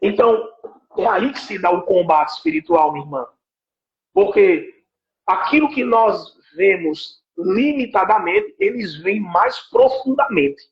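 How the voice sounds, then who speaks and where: High-voiced man in an echoey room. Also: expressive, unhurried. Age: 40s. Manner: explanatory, keeps checking with "right?". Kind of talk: teaching talk on spiritual warfare. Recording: echoey, dull lo-fi live stream.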